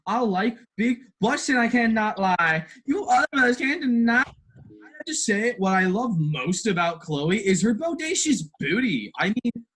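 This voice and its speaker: A man acts out a swaggering, oblivious frat bro for a comedy sketch. The voice is high, bright and rough-edged, full of bro slang. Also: heavily acted. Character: cocky, oblivious frat-boy husband contestant. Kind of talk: comedy sketch staged reading.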